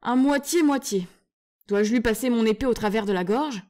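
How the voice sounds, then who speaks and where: A fierce, sneering male dwarf spitting contempt, as a woman reads him. His voice is scornful and gruff, low-lit and mellow in tone. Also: normal speed, lightly acted.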